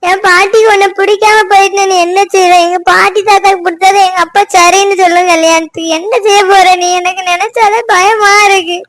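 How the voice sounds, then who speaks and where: A woman plays a worried young village girl in a cartoon, speaking with a Tirunelveli Tamil accent. Her voice is very high and pleading, and the recording is close and dry. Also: fairly even intonation, fairly quick, hardly any pauses, fairly bright tone, dry recording. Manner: pleading, emotional.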